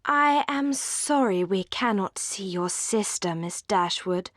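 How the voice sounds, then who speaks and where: A woman reading aloud, voicing a fawning young woman visitor who speaks slowly and sweetly. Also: medium pitch, lively intonation, a bit bright, no echo, studio quality. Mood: simpering.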